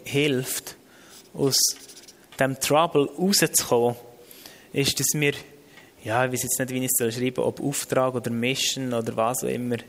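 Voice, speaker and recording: A man with a Swiss German accent preaching and praying in an informal, earnest, exhorting way with repeated phrases. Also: medium pitch. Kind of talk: sermon with spoken prayer. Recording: long hall reverb.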